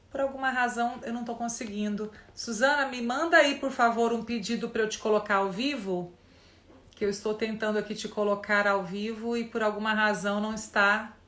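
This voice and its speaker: Speaking at a medium pitch with a fairly bright tone, a woman runs a relaxed live stream, addressing the audience directly and chatting freely with fillers such as "né."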